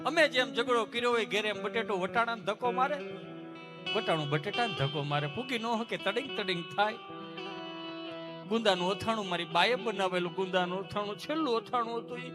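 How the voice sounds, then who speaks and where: A man performing folk comedy storytelling, animated and switching into character voices. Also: high-pitched, brisk. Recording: music playing underneath.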